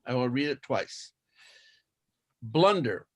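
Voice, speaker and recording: A man acting as toastmaster of a speech contest, explaining rules methodically and repeating himself deliberately. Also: medium pitch, big pitch swings.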